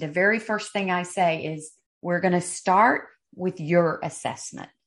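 A woman's fairly low-pitched voice with a Southern US accent, ordinary pitch variation, and a quiet background. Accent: Southern US (Georgia). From US South, Georgia. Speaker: leadership consultant. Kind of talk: interview.

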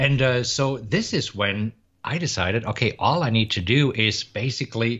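A man with a German accent speaks at a moderate pace. His medium-pitched voice has lively intonation. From Germany. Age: 50s. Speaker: professional trader. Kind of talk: interview. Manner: animated.

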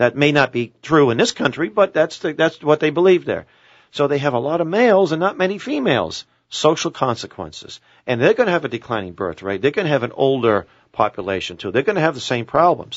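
Talking at a very fast pace with a Massachusetts accent, a man with a fairly high pitch and vocal fry swings his pitch very widely. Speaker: political activist. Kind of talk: radio interview. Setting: radio studio.

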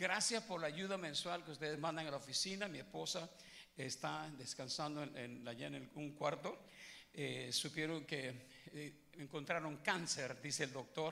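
With audible room echo, a man speaks slowly in a fairly high, bright, sharp tone, with vocal fry and ordinary pitch variation. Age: 70s. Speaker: guest preacher. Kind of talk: sermon. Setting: church. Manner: animated.

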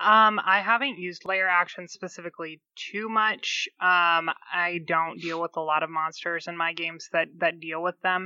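A woman has an ordinary speaking voice, fairly low in pitch with fairly even intonation. She speaks with hardly any pauses. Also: moderate pace. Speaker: co-host and sound editor. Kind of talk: casual chat. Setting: live stage with audience.

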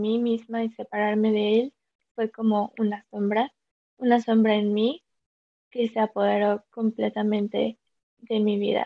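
A woman with a fairly high-pitched voice. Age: 20s. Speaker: nutrition student sharing eating disorder recovery. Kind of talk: testimony.

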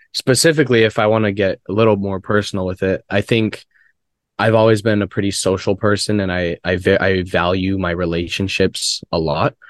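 A man's fairly low-pitched voice with ordinary pitch variation, an ordinary speaking voice, dry and close with no echo over a quiet background. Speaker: podcast co-host. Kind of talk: casual discussion podcast. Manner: conversational, some filler words.

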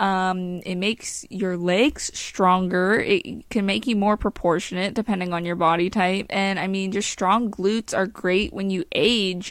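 A woman with an ordinary speaking voice talks at a fairly slow pace in a medium pitch, with hardly any pauses. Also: fairly even intonation. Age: 20s. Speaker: fitness trainer and podcast host. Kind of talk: casual solo podcast monologue. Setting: late night home recording. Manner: chatty, frequent fillers and laughs.

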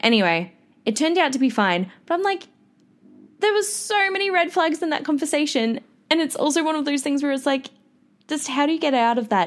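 Pausing long and often yet talking fairly quickly, a woman with an Australian accent speaks at a high pitch with very wide pitch swings. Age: 20s. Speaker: podcast host. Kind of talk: solo casual monologue.

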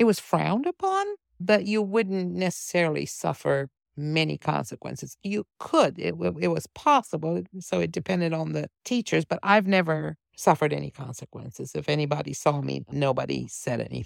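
The woman speaks with a Romanian accent at a moderate pace. Her voice sounds dry and close, with no echo. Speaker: lawyer who grew up under communism. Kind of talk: casual interview.

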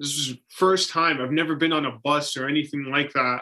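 Speaking at a moderate pace in a US Midwestern accent, a man with a fairly high pitch and a bright, sharp tone keeps his intonation flat and monotone over a quiet background. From Iraq. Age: 20s. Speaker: physical therapist aide. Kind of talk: personal storytelling in interview.

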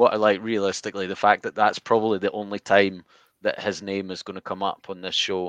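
The voice has a Scottish accent and a monotone, flat intonation, heard dry and close with no echo against a quiet background. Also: man, fairly low pitch for a man. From Scotland.

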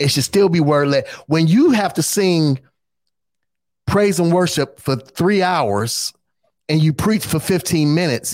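At a moderate pace, a man with an American accent speaks in a normal speaking voice with lively intonation. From Ohio (Youngstown). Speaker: church musician and podcast co-host. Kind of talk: casual chat.

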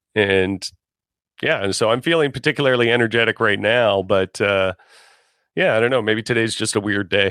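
Over a quiet background, a man with a Canadian accent talks at a moderate pace and fairly low pitch, with ordinary pitch variation and very even loudness. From Canada, Hamilton, Ontario. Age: 30s. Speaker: musician and internet show host. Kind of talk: casual interview.

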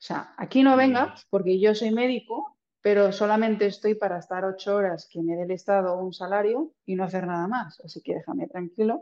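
A woman with an ordinary speaking voice talks at a fairly quick pace in a medium pitch. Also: ordinary pitch variation. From Spain, Castellón de la Plana (Valencian region). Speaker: entrepreneur in finance. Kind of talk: interview.

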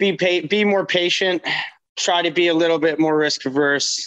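With a Canadian accent, a man talks at a moderate pace in an unremarkable speaking voice with ordinary pitch variation, the sound dry and close with no echo. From Toronto, Canada. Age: 40s. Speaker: professional poker player. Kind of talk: interview.

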